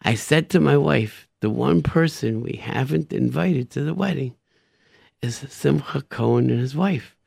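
A man's voice: mid-range voice, unhurried, gravelly, darkish tone, breathy edge, no echo, studio quality. A man hosting a radio show, telling personal religious stories informally and emphatically, repeating phrases and sprinkling in Hebrew and Yiddish expressions.

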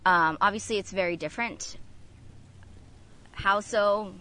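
A young woman who coxes a college rowing team answers interview questions in a chatty, upbeat way, using lots of "um" fillers. Her medium-pitched voice has a sharp tone, and she keeps a measured pace.

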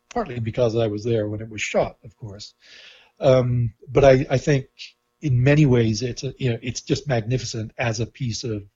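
A man from Canada gives reflective interview answers in a dark, husky voice of medium pitch. He speaks haltingly and thoughtfully, with firm opinions. The recording is slightly dull. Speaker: interviewee, film journalist. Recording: dull, lo-fi sound.

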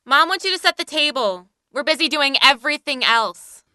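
A woman's voice: high voice, expressive, normal speed, sharp tone, dry recording, clean studio sound, exaggerated voice. An actress playing a sarcastic, irritable young woman grad student in an audio drama. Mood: calling out. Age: young adult. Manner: sarcastic, exasperated.

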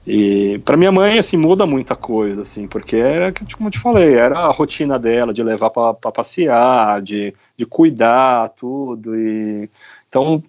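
A man with a Brazilian Portuguese accent, a guest on a podcast, casually telling a story from his bicycle travels, animated and full of slang fillers. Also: mid-range voice, moderate pace, muffled recording.

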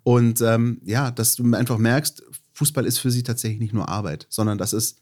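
A man's voice: medium pitch, fairly even intonation, moderate pace, a little mellow. Male podcast host, mid-range voice, casual conversational moderation of football talk. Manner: conversational, addresses co-host and listeners directly.

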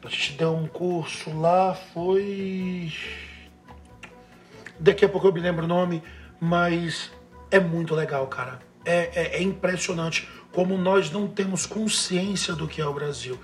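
A man's voice: high-pitched, fairly even intonation, unhurried, faint music behind. A man from Northeast Brazil with a Northeastern Brazilian accent, chatting casually and enthusiastically, sometimes trailing off as he searches for words. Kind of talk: casual chat.

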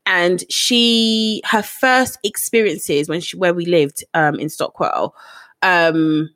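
A young adult woman, co-hosting a casual podcast chat in a chatty, animated way. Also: on the low side, no echo. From Ghana heritage, raised in England. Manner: animated, chatty, quick asides. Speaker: podcast co-host.

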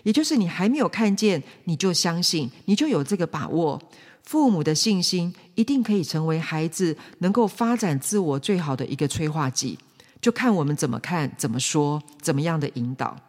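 A man's voice: on the high side, animated, normal speed. Earnest man teaching parents, hall reverb. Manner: earnest, with frequent fillers and repetitions. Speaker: parenting speaker. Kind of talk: storytelling talk on parenting.

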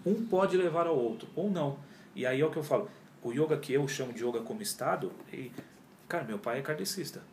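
A man tells his story as a guest in a casual interview, and his speech is animated and full of slang. He talks quickly in a slightly raised voice. The recording has a roomy echo around him. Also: a little high, a little hiss or hum. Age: 40s. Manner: animated and slangy, often says cara and pô. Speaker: yoga teacher and guest.

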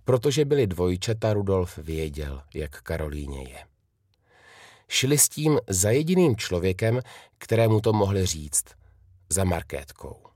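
A man narrating a children's story in a calm, even storytelling manner, softening at tender moments. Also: low voice, no room sound, clean studio sound. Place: recording studio.

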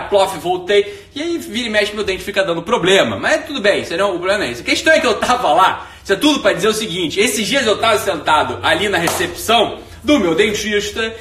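Man, from Brazil, high voice, swearing, animated rant, roomy echo. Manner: profane, ranting, animated. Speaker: online course teacher. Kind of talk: casual monologue to followers. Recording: echoey room, voice far from mic.

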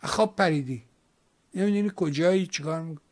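A man's voice: fairly high pitch, darkish tone, no room sound. A man hosting a call-in show, scolding and lecturing a caller in a heated debate. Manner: lectures and scolds, dramatic chanting asides.

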